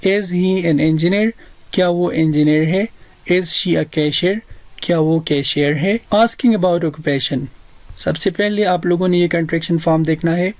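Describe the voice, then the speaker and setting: A man with a South Asian accent giving a language lesson as a teacher, deliberately explaining and repeating phrases for learners. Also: fairly high pitch, a little mellow, dry recording, poor audio. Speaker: English teacher.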